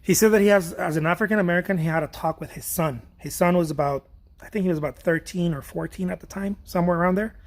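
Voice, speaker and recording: A man's voice: high voice, quick pace. A man chatting casually while he paints on a livestream, rambling, repeating his phrases and swearing now and then. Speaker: painter streaming a demo.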